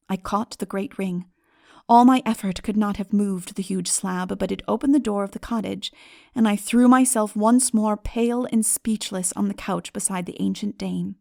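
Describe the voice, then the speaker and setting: A woman reading a literary story as a dramatic audiobook narrator, solemn, measured and expressive. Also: mid-range voice, vocal fry, dry recording, clean studio sound.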